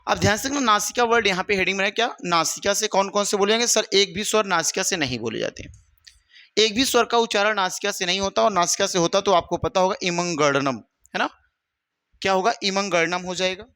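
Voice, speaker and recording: A man's voice: high-pitched, fairly quick, bright, forceful tone, dry recording. A man teaching an exam-prep grammar lesson. He asks questions, answers them himself and calls the students "my brother.".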